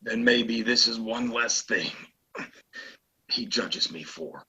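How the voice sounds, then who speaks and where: An actor playing a grieving, bitter cowboy in a Western audio play, with a gravelly rasp and an anguished, volatile delivery. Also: male voice, mid-range voice, slow pace, muffled recording, heavily acted. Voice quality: raspy, gravelly. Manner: anguished, swinging from growl to shout.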